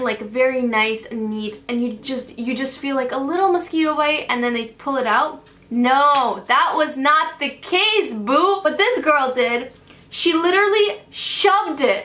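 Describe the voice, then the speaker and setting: Young female vlogger, dramatic storyteller, bright tone, echoey room. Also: sits high. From Canada. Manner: dramatic, animated retelling with many fillers. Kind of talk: storytime vlog.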